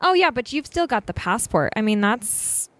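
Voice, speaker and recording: A woman's voice: a little high, sing-song, moderate pace, no echo. A woman hosting a podcast interview, asking questions and reacting in an encouraging way. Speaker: podcast host. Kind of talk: casual interview chat.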